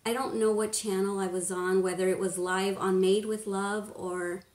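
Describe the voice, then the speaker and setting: A woman in her fifties chatting casually on a home live stream, rambling, laughing often and sometimes dropping to a hush. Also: mid-range voice, flat delivery, normal speed. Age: 50s. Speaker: beauty vlogger, live stream host. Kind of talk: casual live-stream chat reading comments. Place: living room at home, indoors. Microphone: webcam at desk distance. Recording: echoey room.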